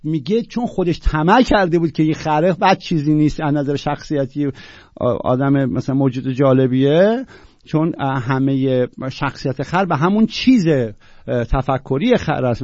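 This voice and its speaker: A man slowly reciting classical verse, then explaining it in quick, casual talk with joking asides. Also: fairly high pitch, dry recording, lo-fi sound. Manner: slow, louder recitation of verses alternating with quick colloquial explanation; jokey, informal asides. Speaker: poetry explainer.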